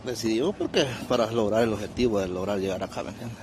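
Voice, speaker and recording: A man in his forties with a Honduran accent, giving informal interview testimony haltingly and checking that he is understood. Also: fairly low pitch. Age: 40s. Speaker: migrant being interviewed. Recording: noisy outdoor street with traffic.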